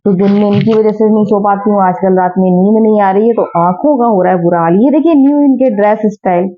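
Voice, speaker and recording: A woman's voice: mid-range voice, quick pace, slight background noise. A woman in her thirties chatting casually to viewers in a home vlog, sounding sleepy and tired as she talks about her children, recorded on a phone camera in her bedroom. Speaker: family vlogger. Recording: dull lo-fi phone audio.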